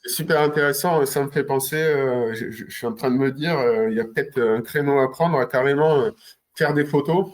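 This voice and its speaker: A male interviewer who talks casually and a little haltingly, often pausing mid-sentence. He sometimes clears his throat before getting to his question. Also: mid-range voice. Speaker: interviewer, channel host.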